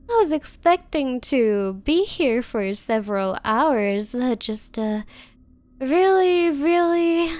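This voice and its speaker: A woman acts out an obsessive yandere bride for an anime-style ASMR roleplay. Her voice is high and she takes her time, cooing to the listener with coy, hesitant sweetness. Beneath the considerate manner she is possessive and menacing. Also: darkish tone. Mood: giddy, pleased.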